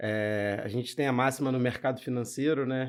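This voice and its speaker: The intonation stays monotone and flat. A man talks at a medium pitch. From Rio de Janeiro, Brazil (suburbs). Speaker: finance executive. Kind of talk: interview.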